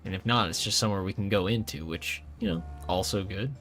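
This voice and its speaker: A man's voice: deep voice, fairly quick, fairly bright tone. A man streaming a video game, talking through his moves in a playful, chatty way and thinking aloud. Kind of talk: casual let's-play commentary. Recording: faint game music behind.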